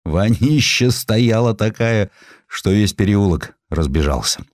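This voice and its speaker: A male narrator plays a hussar's gossipy friend in a historical audiobook. He warns with animated exaggeration, his pitch rising and moving freely, in a dry recording. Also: unhurried, no room sound. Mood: gossipy warning.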